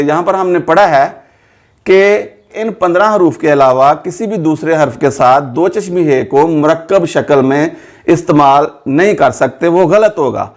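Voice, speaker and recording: A man with a Pakistani Urdu accent teaching a spelling lesson, spelling words out letter by letter and drawing out each example word. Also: on the high side. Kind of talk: slow, methodical spoken lesson.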